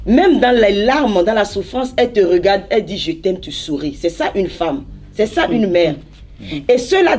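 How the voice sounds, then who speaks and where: An evangelist from Benin speaks, her voice sitting at an ordinary middle pitch for a woman. She exhorts her listeners in a preachy way, hammering her points home through repetition. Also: warm tone. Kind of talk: exhortation in a church interview.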